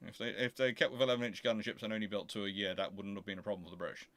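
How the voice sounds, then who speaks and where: Bright-voiced man fielding history questions. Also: lowish voice, flat delivery, dry recording. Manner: halting, self-correcting, explanatory. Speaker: host of a naval history Q&A show. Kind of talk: informal question-and-answer commentary, reading questions aloud.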